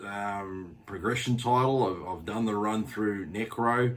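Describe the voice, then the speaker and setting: A man with an Australian accent talks at a fairly slow pace, his fairly low voice keeping a fairly even intonation. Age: 50s. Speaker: gaming YouTuber. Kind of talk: casual vlog monologue. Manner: halting, many fillers.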